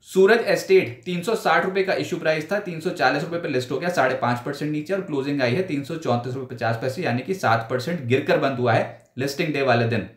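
Man in his 40s, market news anchor, brisk emphatic delivery, slightly high voice, echoey studio. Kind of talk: stock market roundup commentary. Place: indoor studio before a branded backdrop.

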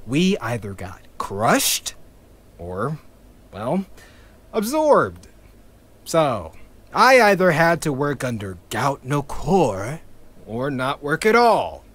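A man's voice: mid-range voice, wildly swooping pitch, slow, pauses often, fairly bright tone, full character voice. A man playing a bitter, swearing young activist. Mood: sardonic. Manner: bitter, sardonic, swearing, wry laughs between lines. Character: bitter young male activist confessing to a recorder. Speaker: character in an audio drama. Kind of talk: audio drama monologue.

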